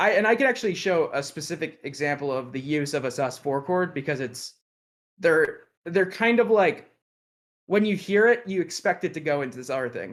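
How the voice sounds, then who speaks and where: A man speaks at a high pitch with lively intonation and a fairly quick pace. The recording is very clean, with a silent background. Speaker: music theory teacher. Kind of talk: lesson on a livestream. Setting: livestream. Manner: fast; casual, hesitant with fillers.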